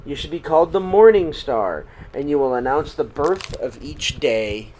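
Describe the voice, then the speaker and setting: A reverent young woman of folktale, as a male storyteller puts her on, proclaims in a ceremonious, declamatory way. The voice is lifted in pitch and projected. Noise is audible behind it. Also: lively intonation, moderate pace, a little mellow, close to an everyday voice, rough recording. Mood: solemn proclaiming. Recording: clear background noise.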